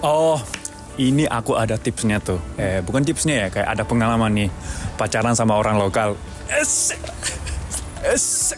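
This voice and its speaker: A man's voice: lowish voice, lively intonation, normal speed, soft background music. A man speaking slangy Indonesian as a foreigner, playfully chatting and often correcting himself. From Japan. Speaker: interviewee.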